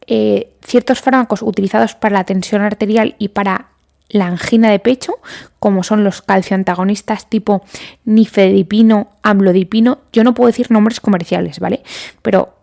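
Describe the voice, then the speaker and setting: A woman's voice: mid-range voice, steady tone, moderate pace, vocal fry, a little mellow. A woman doctor, hosting a casual medical podcast and explaining treatments while sometimes acting out her listeners' questions. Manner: conversational, lists items, acts out listener questions.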